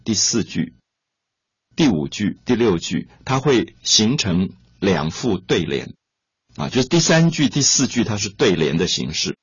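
A man's voice: fairly low pitch, slightly rough, no echo. A man giving a patient lecture on classical poetry, repeating key points and stretching out his particles. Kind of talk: explanatory lecture. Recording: dull lo-fi recording with faint music.

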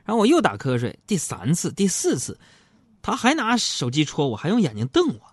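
Jokey radio host, lively voice. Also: male voice, on the high side, brisk, slight background noise. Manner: jokey, chatty, addresses listeners directly. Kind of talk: comedic storytelling talk show.

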